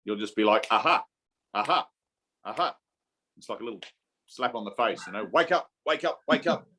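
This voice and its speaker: A man gives a relaxed spiritual talk over a video call, his voice pitched in an ordinary middle range. He talks informally and keeps checking in with his listeners. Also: moderate pace, husky. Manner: informal, repeats "okay?" and "right?" to check in. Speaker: spiritual teacher leading a satsang.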